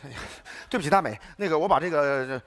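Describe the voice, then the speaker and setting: A man's voice: on the high side, fast, a bit bright, a little hiss or hum. An actor playing a flustered neighborhood man hunting a rat, ranting in a stage comedy sketch. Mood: exasperated ranting. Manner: exasperated ranting, repeats himself. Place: television gala stage.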